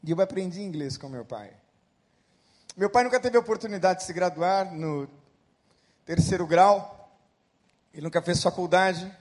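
A middle-aged man from Brazil, a pastor preaching a sermon that swings between loud emphatic peaks and quiet storytelling. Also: high voice, moderate pace, pauses often.

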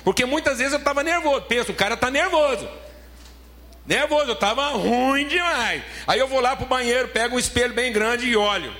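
A man's voice: very high voice, fairly quick, pushed and bright. A man with a Brazilian Portuguese accent preaching a sermon as pastor, emphatic, repeating phrases and calling listeners beloved.

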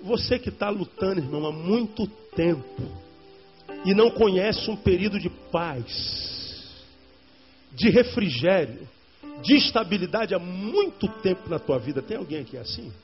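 A man's voice: sits high, expressive, unhurried. A male pastor preaching a sermon, addressing the congregation directly and repeating key lines for emphasis. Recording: dull lo-fi sermon recording with faint music.

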